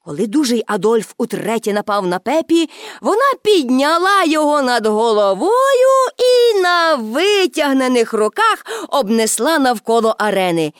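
A woman narrating a storybook in an expressive reading voice. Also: sits high, normal speed, no room sound, studio quality.

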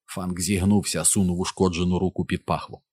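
Male audiobook narrator, very deep, steady read, dry close sound. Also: a little fast, no room sound.

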